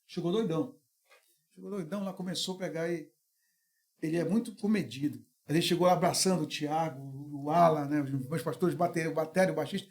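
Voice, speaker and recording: Um pastor brasileiro contando histórias num bate-papo descontraído, imitando as vozes das pessoas com animação. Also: male voice, a little high, fairly quick. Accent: Brazilian. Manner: animated, acts out voices in anecdotes. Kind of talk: casual storytelling chat.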